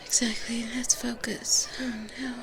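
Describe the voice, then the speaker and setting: A woman's voice: fairly high pitch, little pitch movement, a little slow, creaky, background noise. A woman voicing a proud, teasing elder female vampire in a whispered ASMR roleplay, soothing yet commanding. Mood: calm, instructive.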